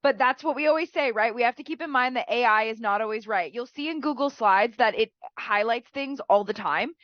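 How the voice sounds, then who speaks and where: A woman's voice: a little high, brisk, no echo, highs cut off. A woman teacher who is sick and sounds nasal, giving chatty writing feedback and often tagging "right?" onto her sentences.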